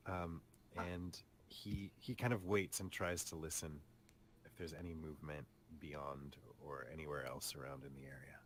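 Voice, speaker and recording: A man playing a tabletop roleplaying game, describing his character's actions in the third person with deliberate phrasing. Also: rumbling low, steady tone. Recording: clear background noise on mic.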